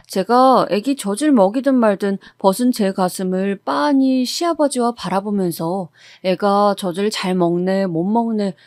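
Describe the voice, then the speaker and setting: On a close studio mic, a woman reads a first-person true-life story in a steady, even storytelling manner. Her voice is mid-range and the recording is dry.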